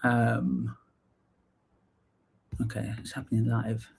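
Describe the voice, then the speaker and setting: A woman, hosting a live stream in a casual, chatty way, full of fillers and restarts and quick to laugh. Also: very deep voice, flat delivery, creaky, background noise. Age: 30s. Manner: chatty, laughs easily, lots of fillers and repeats. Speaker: livestream host and psychotherapist. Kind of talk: casual livestream chat.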